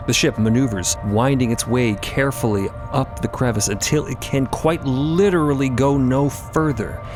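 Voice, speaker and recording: A man tells a scripted adventure in a low, gravelly voice. He narrates dramatically, as in a fiction podcast. Music runs clearly beneath the words. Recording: voice over prominent music.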